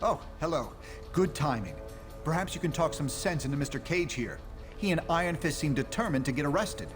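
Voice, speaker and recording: An actor playing a brainy scientist superhero in a video game, formal and precise, reasoning in a placating way. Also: male voice, fairly high pitch, animated, a little fast, natural voice. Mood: politely exasperated. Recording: music under voice.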